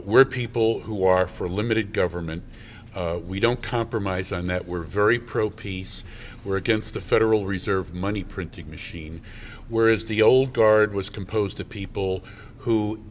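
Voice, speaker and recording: A man's voice: on the low side, a little hiss or hum. A man who is a guest at a hotel convention, explaining a political dispute firmly and fluently, listing his points. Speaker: party member guest.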